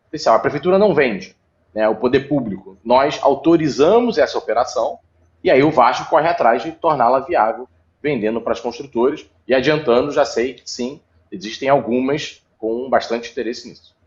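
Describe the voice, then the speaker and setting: A man's voice: medium pitch, fairly quick. A man, speaking as a city councilman in an interview. He explains patiently, with frequent fillers, in a mid-range voice. The audio is slightly dull. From Brazil. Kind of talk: interview answers.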